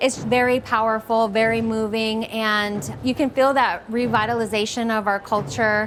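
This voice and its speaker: A woman with an American accent, fairly high pitch, fairly even intonation, and an unremarkable speaking voice. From Muckleshoot tribe, Washington State. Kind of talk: interview.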